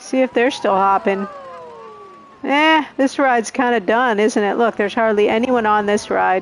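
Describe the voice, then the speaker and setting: Speaking at a moderate pace, a woman with a fairly high pitch and ordinary pitch variation keeps her loudness very even while noticeable background noise runs underneath. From US, Maryland. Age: 60s. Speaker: game streamer. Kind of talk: live gameplay stream with chat. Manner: casual, rambling with fillers.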